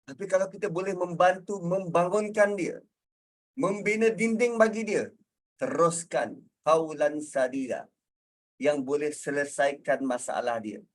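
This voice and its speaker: A man's voice: on the high side, a little slow. A man with a Malaysian Malay accent giving a conversational religious lecture. He explains word meanings through everyday examples. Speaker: religious teacher.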